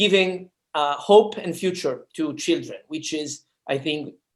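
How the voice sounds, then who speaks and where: Here a man speaks in an Italian accent. He goes at a fairly slow pace with ordinary pitch variation. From Italy. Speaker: politician. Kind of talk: panel discussion. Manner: halting.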